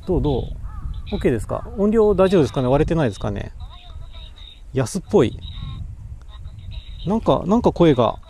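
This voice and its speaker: A man's voice: a little high, very animated, brisk, long pauses, warm tone, slight background noise. A man livestreaming outdoors, chatting casually to viewers while testing and fixing his microphone through a voice recorder. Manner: mumbling mic checks, talking to viewers while fixing audio. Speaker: cycling livestreamer. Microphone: voice recorder mic.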